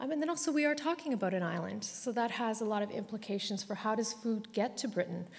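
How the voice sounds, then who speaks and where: With a Canadian accent, a woman talks at a very fast pace with hardly any pauses, her fairly high, somewhat breathy voice carrying lively intonation. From Canada. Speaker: professor. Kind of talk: lecture. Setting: stage with audience. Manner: animated. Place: hall. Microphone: podium.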